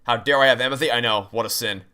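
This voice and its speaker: A man streams a video game, his fast mid-range voice pushed and bright with a clean tone. Over the game music, he chats casually and rambles, dropping dry, sarcastic asides.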